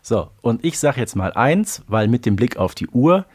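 A man's voice: mid-range voice, very animated, moderate pace, a little mellow. A man co-hosting a podcast in casual chat, matter-of-fact with some fillers. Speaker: podcast co-host.

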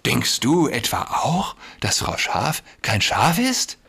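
A man voicing a brisk female teacher who brushes off questions in a patronizing tone, with a slightly husky voice. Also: mid-range voice, wildly swooping pitch, pushed and bright, heavily acted.

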